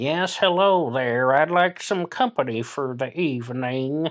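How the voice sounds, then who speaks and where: A man's put-on character voice, fairly high-pitched, at a fairly slow pace. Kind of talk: overly polite, absurd. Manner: silly, goofy.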